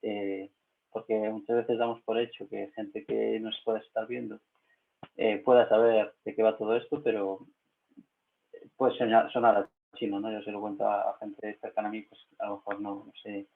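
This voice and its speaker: A man's voice: lowish voice, level tone, normal speed, gravelly. A man with a Spanish accent from Spain moderating an online panel, talking casually with many hesitant filler sounds. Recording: tinny phone-like audio.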